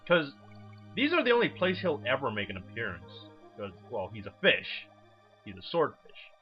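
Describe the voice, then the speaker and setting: This let's player speaks at normal speed in a mid-range voice with big pitch swings, offering casual, wandering commentary that's informal and full of swearing. The dull lo-fi mic sits over background game music.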